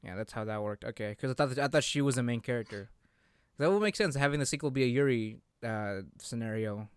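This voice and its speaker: A man hosting a casual video game chat, explaining things in an informal, halting way. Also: medium pitch, clean tone, dry recording, clean studio sound. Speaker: podcast host.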